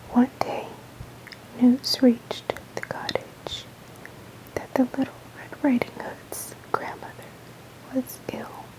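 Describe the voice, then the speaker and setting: A woman whispers at a very slow pace, with long, frequent pauses. Her loudness swings widely over noticeable background noise. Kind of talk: ASMR read story. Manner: whispered.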